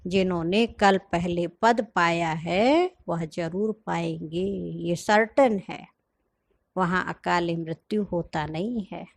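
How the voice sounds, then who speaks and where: A woman giving a gentle spiritual sermon, quoting her teacher's words and explaining them. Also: medium pitch. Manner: gentle, explanatory, quotes the teacher then comments. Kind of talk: sermon explaining a scripture reading.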